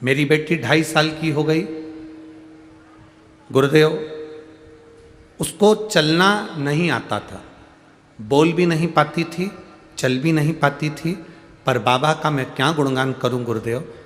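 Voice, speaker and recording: A man's voice: fairly high pitch, slow pace, long pauses. A man preaching as a Hindu scripture storyteller to a gathering, emphatic, repeating phrases and drawing out words. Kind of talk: devotional sermon to a gathering, reading out devotees' letters. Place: large public religious gathering. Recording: echoey large-venue PA with music.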